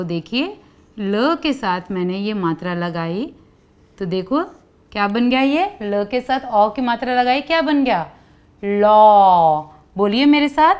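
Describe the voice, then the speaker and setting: A woman teaching children letter sounds, asking questions and drawing out each sound for them to repeat. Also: medium pitch. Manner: calls out sounds for children to repeat, stretched slowly; asks many questions. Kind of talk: children's Hindi lesson.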